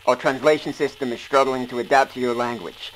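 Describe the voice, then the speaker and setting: A man playing a stern, formal warship officer making a measured hail over radio in a sci-fi audio drama. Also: mid-range voice, steady tone, fairly bright tone, a little hiss or hum, poor audio. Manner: formal, measured military announcing. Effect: radio transmission.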